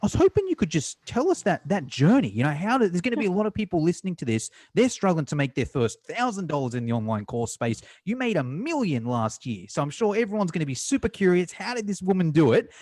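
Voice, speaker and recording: An enthusiastic Australian man hosting a podcast interview, chatty with quick restarts. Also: high voice, sing-song, darkish tone, no room sound. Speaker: podcast host. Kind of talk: casual interview chat.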